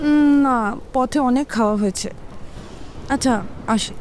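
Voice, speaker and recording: A woman's voice: sits high, unhurried, darkish tone, a little hiss or hum. A woman playing a weary young ghostly wife in a horror audio drama, with a tired, sighing delivery. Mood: weary, plaintive.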